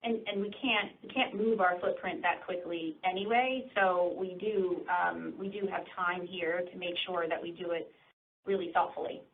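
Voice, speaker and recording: A woman with a fairly low voice replies briefly as a finance executive on a call. She sounds somewhat away from the microphone, through a narrow phone line. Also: fairly even intonation, moderate pace. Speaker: senior finance executive answering analysts. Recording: distant, tinny conference phone line.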